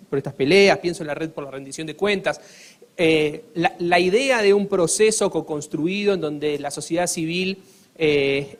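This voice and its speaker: A man from Argentina with an Argentine accent, speaking earnestly on a panel, with many hesitations and restarts. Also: a little high. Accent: Argentine Spanish. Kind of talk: formal panel talk.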